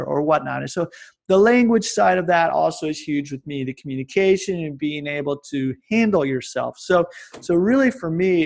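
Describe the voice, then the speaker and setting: This podcast guest, a Kansas man in his forties, has a slightly high voice with vocal fry. His casual conversation wanders loosely, and he describes it himself as babbling.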